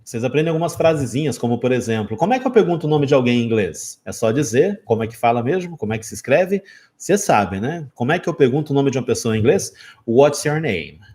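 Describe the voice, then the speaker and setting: A man's voice: mid-range voice, sing-song, quick pace, darkish tone. A man in his forties with a Brazilian Portuguese accent, an English teacher giving a live online lesson who keeps checking in with his viewers. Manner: explanatory, checks in often with "ok?".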